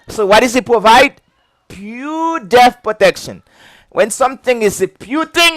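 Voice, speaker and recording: Speaking in a high voice with no room sound, a man with a strong non-native English accent walks through an insurance licensing lesson. It's a casual video, and he repeats the main points, chuckles a lot, and teaches with animation.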